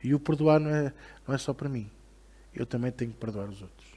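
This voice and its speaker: A man with a European Portuguese accent, preaching a Bible study sermon with lively rhetorical questions to the congregation, then leading a prayer. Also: medium pitch, quick pace, slightly rough. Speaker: pastor.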